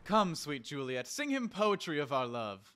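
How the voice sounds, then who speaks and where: A man playing an excitable, cocky high school boy who acts Romeo, dramatic and emphatic, in an audio drama. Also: measured pace, noisy background. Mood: lovestruck, florid.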